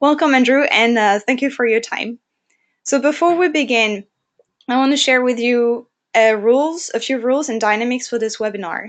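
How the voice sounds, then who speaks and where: A French accent at a moderate pace, with ordinary pitch variation and a quiet background. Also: woman, high pitch for a woman. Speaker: webinar facilitator. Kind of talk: webinar introduction. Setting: online webinar. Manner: formal. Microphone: video call.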